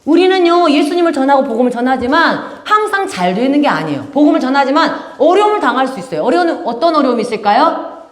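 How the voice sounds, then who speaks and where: Lively woman preaching to children. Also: high voice, quick pace, reverberant. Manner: animated storytelling with questions to children. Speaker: children's ministry teacher. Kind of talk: children's sermon. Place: church room.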